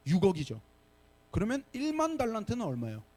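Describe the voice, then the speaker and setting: A male pastor preaching a sermon to young adults in a church, lively and often asking the congregation questions. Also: high voice, fairly quick. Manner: animated, asks the congregation questions. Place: church sanctuary.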